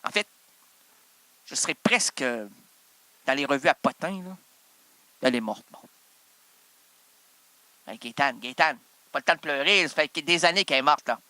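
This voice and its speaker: A man's voice: fairly high pitch, sharp tone, roomy sound, long reverb tail, rough recording. A man with a Québécois accent improvising a comic stage monologue, rambling, interrupting himself and teasing the audience. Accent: Québécois French. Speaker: improv performer and host.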